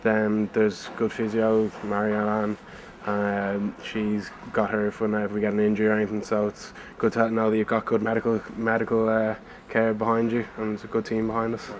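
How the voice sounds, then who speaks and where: A man's voice: fairly low pitch, monotone, moderate pace, few pauses, slight background noise, low-quality recording. A young Irish man chatting casually in an interview as a student athlete, with loose, rambling phrasing. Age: young adult. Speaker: student rugby player.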